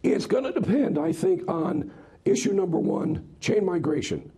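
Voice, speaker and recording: An American man, hoarse and raspy from a cold, giving political commentary as a radio host guest in an interview. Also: high-pitched, big pitch swings, normal speed, mellow. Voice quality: husky, raspy, strained.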